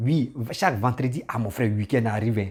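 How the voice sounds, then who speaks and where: A man with a dark, mellow tone and a somewhat breathy quality talks at a moderate pace, his medium pitch moving with ordinary variation. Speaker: YouTuber. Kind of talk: video commentary. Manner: emphatic, preachy.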